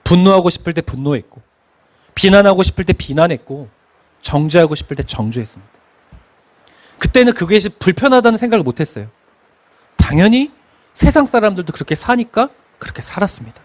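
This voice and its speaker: Man, pastor, sermon, high voice, very animated pitch, storytelling. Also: a little fast, long pauses. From Chungcheong, Korea. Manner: expressive preaching, sings hymn lines, laughs while telling stories.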